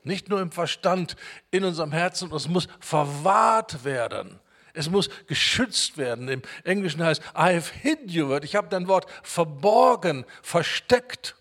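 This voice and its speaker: High-voiced man preaching emphatically. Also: animated, fairly bright tone. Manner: emphatic, repeats key words, quotes scripture slowly. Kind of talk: sermon.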